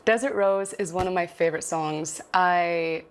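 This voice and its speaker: A woman's voice: on the low side, unhurried, smooth. A young woman singer, born in Morocco and raised in Canada, talking earnestly as a guest in a TV studio interview, with plenty of ums and likes. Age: young adult.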